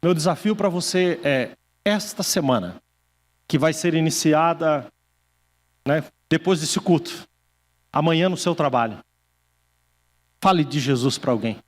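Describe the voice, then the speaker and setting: A male pastor preaching a sermon, telling stories, acting out quoted voices and slowing down for emphasis. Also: fairly high pitch, animated, long reverb tail. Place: church hall.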